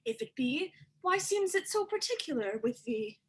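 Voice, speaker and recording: A woman playing a gentle, pleading middle-aged queen and mother in a livestreamed Shakespeare reading, in measured formal verse. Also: extremely high pitch, very animated. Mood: gently chiding.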